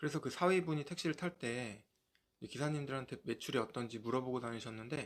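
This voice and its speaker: A man's unremarkable speaking voice, fairly high in pitch, at a fairly quick pace with ordinary pitch variation. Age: 30s. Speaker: private taxi driver. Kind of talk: casual talk to camera.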